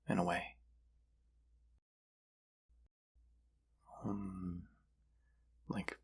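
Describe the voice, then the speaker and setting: Man acting a husky, very gravelly young romantic crush. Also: full character voice. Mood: tender, confessing. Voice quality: husky, breathy, gravelly low voice. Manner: slow, hushed, teasing, trailing pauses. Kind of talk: intimate romantic audio roleplay.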